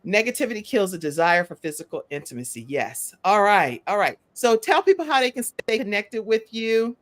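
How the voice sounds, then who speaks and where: A woman's voice: mid-range voice, sing-song, brisk, no room sound. A woman hosting a casual talk show, reading out comments with affirming, teasing exclamations. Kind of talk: casual panel chat, reading viewer comments aloud.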